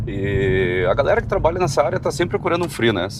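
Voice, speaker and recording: Over noticeable background noise, the voice races at a very fast pace with very wide pitch swings. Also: man. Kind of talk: casual, conversational.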